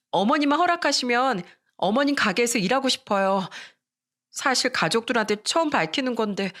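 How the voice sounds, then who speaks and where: A woman's voice: a little high, fairly bright tone. A woman voicing a young sister-in-law who begs and apologizes in a raised, tearful voice. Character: young woman lawyer, sister-in-law, arrogant turned pleading.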